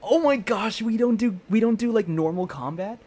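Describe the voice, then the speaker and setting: A man's voice: sits high, normal speed, a little mellow. A man streaming a game with casual live commentary, rambling and thinking aloud as he goes. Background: faint game music.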